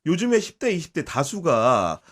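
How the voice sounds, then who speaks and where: A man's voice: on the high side, huge pitch swings, normal speed. A man in his forties hosting casual political talk, asking questions in a playful, self-mocking way. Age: 40s.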